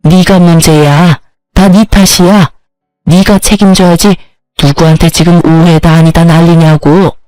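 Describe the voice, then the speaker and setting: 여성이 연기하는 독설 퍼붓는 나이 든 시어머니. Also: female voice, lowish voice, steady tone, measured pace, no echo, soft background music, close to an everyday voice, poor audio. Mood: scornful scolding. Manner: abusive, contemptuous, shouting insults. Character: harsh scolding older mother-in-law.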